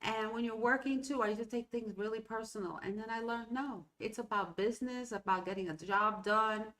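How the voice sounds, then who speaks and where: A woman's voice: on the high side, brisk, fairly bright tone. A middle-aged woman whose first language is Spanish, talking in a rambling, casual way as a solo podcast host, often checking in with "okay?" and "right?". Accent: Hispanic American English. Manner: rambling, conversational, self-interrupting with "okay?" and "right?". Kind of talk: solo motivational talk.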